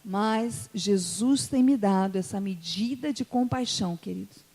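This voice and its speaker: Long hall reverb surrounds this Brazilian pastor, a woman whose Portuguese carries an Espírito Santo accent. In a mid-range voice at a measured pace, she preaches and tells stories, shifting between quiet asides and loud, emotional high points.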